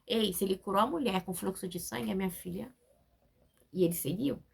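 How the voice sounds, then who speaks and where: A woman's voice: medium pitch, fairly quick, creaky, breathy edge. A woman preacher giving a sermon, emphatic and repetitive, often asking her listeners to agree. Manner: emphatic, repetitive, with frequent tag questions.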